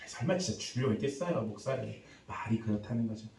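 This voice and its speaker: A man preaching a revival sermon as a pastor, lively and acting out the people he quotes while quizzing the congregation. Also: medium pitch, quick pace, creaky, slight background noise. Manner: animated, acts out quoted voices, quizzes congregation. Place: church sanctuary. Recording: echoey church hall, distant mic.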